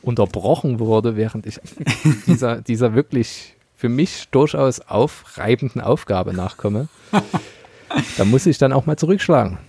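A man hosts a relaxed podcast, ribbing his co-hosts as he leads the talk. His voice is mellow and a little husky, and the sound is dry and close. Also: mid-range voice, unhurried, no echo. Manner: teasing, chatty, moderates the episode. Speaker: podcast host. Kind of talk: casual podcast banter.

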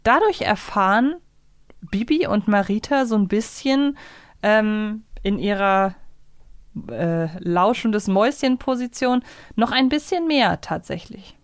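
A woman's voice: medium pitch, slow pace, no room sound, clean studio sound. A woman co-hosting a podcast, casually discussing and explaining her opinions in loose, reflective asides. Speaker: podcast co-host. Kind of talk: casual discussion of an audio drama episode.

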